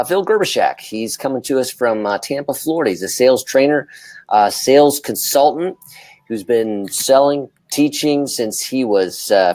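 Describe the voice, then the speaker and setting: A man with a halting delivery, chatting casually as co-host of a live talk show. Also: medium pitch, a little mellow, no room sound.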